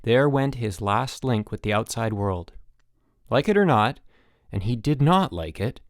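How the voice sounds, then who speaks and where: Male audiobook narrator, mid-range pitch, measured storytelling read, dry sound. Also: lively intonation, no echo.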